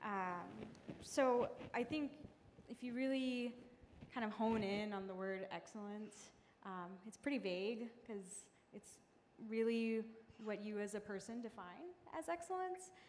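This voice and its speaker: Over light background noise, the speech runs fairly slowly, with long, frequent pauses and lively intonation. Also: woman, fairly high pitch for a woman. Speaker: trumpeter and music educator. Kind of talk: panel discussion. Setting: stage with audience. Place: stage. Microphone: handheld.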